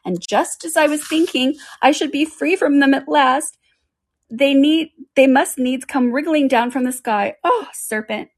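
A woman voicing an indignant, fretful mother pigeon with a shrill, scolding manner in a storybook. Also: unhurried. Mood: exasperated, shrill. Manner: scolding, exclamatory, aggrieved. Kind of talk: storybook character reading.

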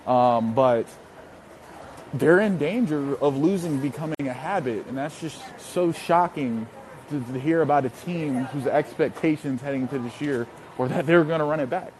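A man talking over a video call from an airport terminal, giving a steady sports reporter's analysis with frequent fillers. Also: a little high, normal speed, a little hiss or hum, low-quality recording. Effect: heard over a video call. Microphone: laptop or phone on a video call.

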